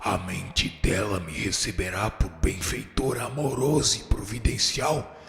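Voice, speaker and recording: An actor playing a powerful, vengeful fallen spirit who sets himself up as judge, speaking solemnly and formally in a radio drama. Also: male voice, on the low side, animated, a little slow, vocal fry, fairly bright tone, full character voice. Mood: vengeful, brooding. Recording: reverberant hall-like echo, music underneath.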